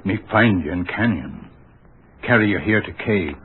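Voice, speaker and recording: An actor playing a stoic, gentle Native American companion in a 1940s radio drama, speaking in slow broken phrases. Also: male voice, on the low side, lively intonation, a little hiss or hum, close to an everyday voice. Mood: calm. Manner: slow broken clipped speech. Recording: tinny lo-fi old radio broadcast.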